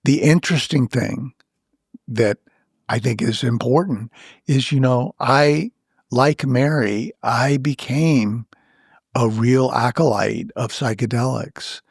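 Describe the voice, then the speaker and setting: Older man, author guest, husky, slow-paced, reflective storytelling, frequent pauses. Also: medium pitch, dry recording, clean studio sound. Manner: unhurried, thoughtful, with frequent "you know" pauses.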